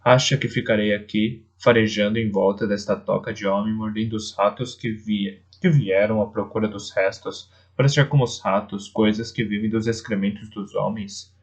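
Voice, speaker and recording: A man's voice: on the low side, fairly even intonation, normal speed, hardly any pauses, slightly rough. A man voicing a proud, defiant young male wolf in an audiobook, talking in a scornful, insistent way. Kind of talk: audiobook character voice. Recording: dull lo-fi recording.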